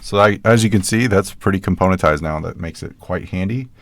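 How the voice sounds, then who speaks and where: A man's voice: deep voice, a little fast, gravelly, dry recording. A man hosting a programming tutorial, casually thinking aloud as he types code. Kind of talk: screen-recorded coding tutorial.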